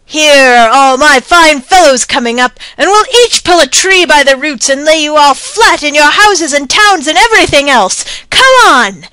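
A woman voicing a blustering young man who yells wild threats at full volume. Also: high voice, lively intonation, moderate pace, few pauses, no room sound, voice pushed up, rough recording. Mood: furious. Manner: shouting, bellowing.

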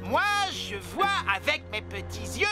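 A playful blue crane truck from a children's cartoon. The voice is very high and bubbly, taking its time with childlike eagerness over background music. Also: male voice, sing-song, measured pace, full character voice. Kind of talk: children's animated cartoon dub.

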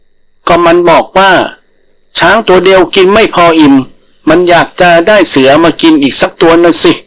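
Man voicing a panicky, high-pitched cowardly tiger. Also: moderate pace, a bit bright, rough recording. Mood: scared refusal. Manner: frightened, protesting, exclamatory.

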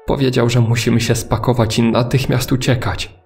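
A man's voice: mid-range voice, little pitch movement, normal speed, darkish tone, slightly rough. A man reading a scripted first-person horror story as narrator, over background music.

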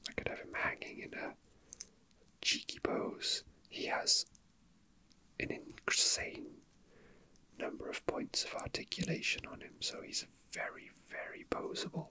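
A man whispering softly and breathily in a casual, hesitant ASMR style, chatting and reading aloud without hurry. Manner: slow, hesitant, unhurried. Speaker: ASMR video creator. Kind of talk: whispered ASMR, casual chat with read-out facts.

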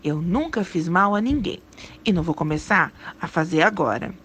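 A woman with a fairly low, expressive, slightly bright voice reads a story aloud at a moderate pace, with slight background noise. In earnest, dramatic storytelling, she voices an amused, teasing rural husband, a grown man, in folksy, laughing tones.

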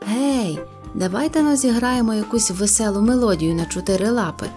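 A woman's voice: on the high side, brisk, warm tone, faint music behind, close to an everyday voice. A woman voicing a mischievous young tomcat brother in an audio storybook, teasing and mocking. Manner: cheeky, mocking. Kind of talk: storybook character voice.

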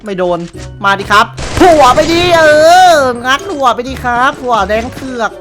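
A young man giving excited gameplay commentary, taunting opponents and repeating short calls over and over. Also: very high-pitched, normal speed, faint music behind. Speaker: gamer streamer.

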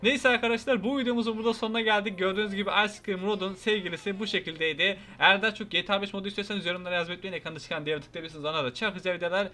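A man giving lively, excitable commentary over his gameplay, joking and shouting at the characters on screen. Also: high voice, rapid-fire, hardly any pauses, faint music behind. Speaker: gaming YouTuber.

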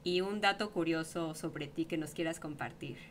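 A woman's voice: low voice, normal speed, a little hiss or hum. Woman, young adult, interview host, chatty, laughing, headset mic, home room. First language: Spanish. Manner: chatty, laughs often, many fillers like "¿no?". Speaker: streamer hosting an interview. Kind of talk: casual interview on a livestream.

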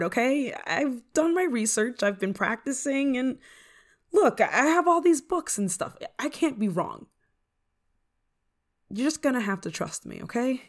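A young witch new to her craft, played by a woman speaks straight to the listener in an ASMR roleplay. She is eager, affectionate and a bit scatterbrained, with a giggly, coaxing manner. Her voice sits at a middle pitch. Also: natural voice. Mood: defensive, insistent. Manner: giggly, coaxing, hesitant asides. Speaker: roleplay voice performer.

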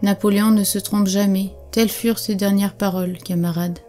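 A woman reading the part of a scheming male pig in a storybook, in a soft, hushed, mock-mournful delivery. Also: mid-range voice, fairly even intonation, brisk, faint music behind, natural voice.

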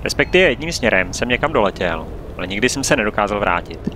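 A man calmly narrating his own flight video in a steady, matter-of-fact voice-over. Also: fairly low pitch, noisy background. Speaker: paraglider pilot and vlogger.

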